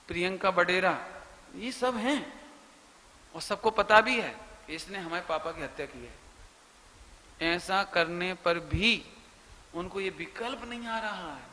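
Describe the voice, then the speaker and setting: High-voiced man preaching in a hall. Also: bright, forceful tone, slight background noise. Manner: explains patiently, drawing out chanted syllables. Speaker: Jain preacher. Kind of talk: religious Q&A discourse.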